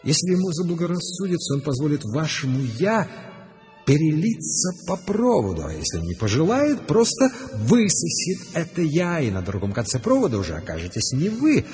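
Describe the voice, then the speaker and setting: Wildly animated, eccentric male rebel. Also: on the high side, normal speed, faint music behind. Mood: brooding, intense. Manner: theatrical, wry storytelling. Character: rebellious arrested man, eccentric, gleefully proud of smashing machines. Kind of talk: radio drama acting.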